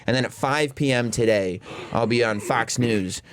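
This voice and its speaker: A man's voice: medium pitch, moderate pace, slight background noise. A man in his thirties co-hosting a radio show, chatting casually with plenty of fillers. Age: 30s. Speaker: radio co-host. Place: radio studio.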